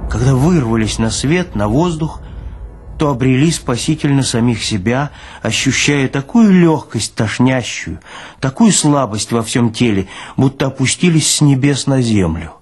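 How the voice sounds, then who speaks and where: A man reading literary prose as a narrator, with expressive, deliberate phrasing. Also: medium pitch, faint music behind.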